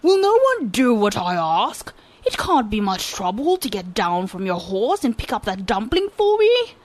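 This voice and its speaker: A woman voicing a lazy, arrogant young man who drawls his words slowly and loudly. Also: mid-range voice, sing-song, no room sound. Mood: indignant. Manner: slow, drawling, loud and haughty.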